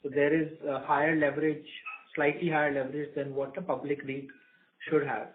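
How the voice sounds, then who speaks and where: A man answering as a company executive on a conference call, explaining in a halting way. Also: on the high side, little pitch movement, slight background noise. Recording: narrow tinny phone-line audio.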